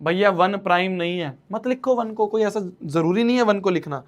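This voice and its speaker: A man's voice: high voice, a little fast, highs cut off. A young man teaching a maths class in a playful, teasing way, repeating his questions to the students. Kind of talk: online class lecture.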